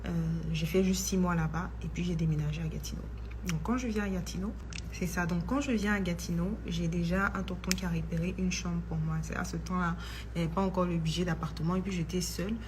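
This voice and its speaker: A woman's voice: on the low side, fast, slight background noise. A woman who tells a personal faith testimony in a chatty vlog, dropping in English phrases. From Ivory Coast. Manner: chatty, mixes in English phrases, grows excited. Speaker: vlogger.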